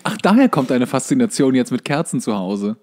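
A man's voice: mid-range voice, big pitch swings, brisk, a little mellow. A man in casual, comedic conversation as a podcast co-host, with dry banter.

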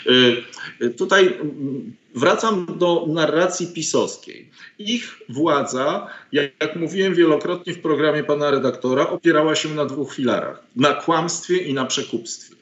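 A man's voice: fairly high pitch, a little slow, a bit bright. Middle-aged male guest, hesitant and indignant, full of ums, roomy dull webcam sound. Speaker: guest commentator, professor. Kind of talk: political interview over video call. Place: home study with bookshelves. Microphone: video call webcam. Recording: roomy, dull lo-fi call audio.

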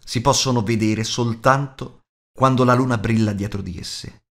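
Man as a elf lord, wise, grave, measured, explanatory, storybook. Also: medium pitch, steady tone, fairly bright tone, natural voice.

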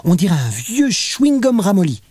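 A man voicing a stubborn, outspoken little girl in a children's audiobook, talking high and insistent. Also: wildly swooping pitch, darkish tone, breathy edge, no room sound, exaggerated voice. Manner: high, insistent, quick when arguing.

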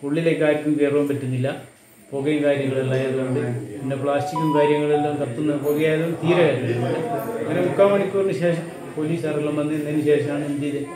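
Man, local witness, fairly high voice, halting speech, roomy echo. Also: steady tone, crowd noise. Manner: halting, repetitive telling. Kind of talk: casual spoken account.

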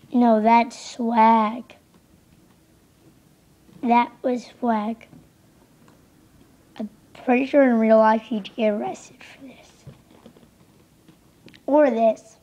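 A young woman casually commenting on a game she is playing, a little hoarse from being sick, rambling and easily distracted. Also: on the high side, fairly even intonation, drawn-out words, pauses often, warm tone. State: losing voice, sick. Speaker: gameplay commentator. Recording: slightly dull lo-fi home recording.

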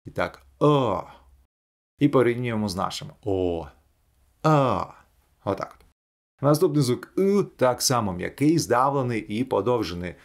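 A man teaching English pronunciation in a video lesson, demonstrating sounds slowly and clearly. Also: mid-range voice, animated.

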